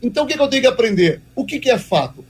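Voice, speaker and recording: A man's voice: extremely high pitch, very animated, racing, breathy edge. A man giving a devotional teaching talk as a preacher, speaking emphatically and repeating key phrases for weight.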